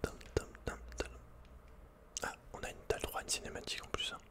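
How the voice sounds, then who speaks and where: A man's voice: fairly quick, pushed and bright. Whispering French man, ASMR gaming. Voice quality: breathy, unvoiced whisper. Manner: intimate, addresses the listener informally. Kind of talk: whispered ASMR game commentary, casual.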